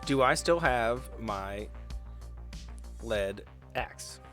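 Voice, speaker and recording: A man's voice: medium pitch, animated, very slow, over music. Rambling, jokey male tabletop player. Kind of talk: casual tabletop game chat.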